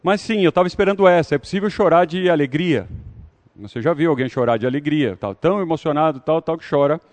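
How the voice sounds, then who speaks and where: A man's voice: fairly high pitch, quick pace, darkish tone. A man leading an interactive Bible study, talking conversationally and putting questions to the audience.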